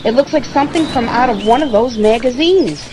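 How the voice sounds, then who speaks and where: Gushing, fairly high-voiced woman visitor, acted. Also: a little fast, lightly acted. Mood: admiring. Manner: gushing, polite. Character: complimentary, gushing woman visiting her friend. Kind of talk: audio drama acting. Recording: noisy, birdsong ambience.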